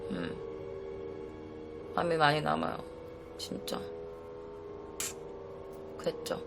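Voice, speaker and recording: A young woman from South Korea hosting a live stream, telling a personal ghost story in an emotional, halting way, with many restarts. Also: deep voice, sing-song. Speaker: host. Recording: faint music under the voice.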